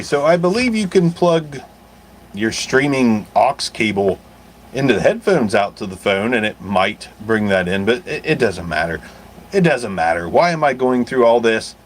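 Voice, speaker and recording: A man casually reviewing a microphone, blunt and a little profane, thinking aloud as he tests it. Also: mid-range voice. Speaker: mic reviewer.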